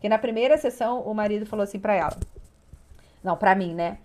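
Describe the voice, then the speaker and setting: A woman's voice: medium pitch, fast. A woman from Brazil, a family coach, telling session stories and acting out what clients said. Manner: animated storyteller, acts out clients' replies. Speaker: child and parent coach. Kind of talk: casual chat about coaching sessions.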